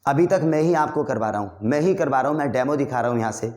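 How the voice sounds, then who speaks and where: A man teaching spoken English, coaching his viewers in an energetic, friendly classroom style. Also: medium pitch, quick pace, reverberant.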